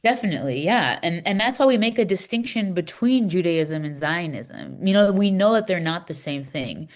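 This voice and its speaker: Woman acting as earnest Palestinian Christian discussion leader, slightly low voice, measured, explanatory, welcoming, readers theater. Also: animated, natural voice.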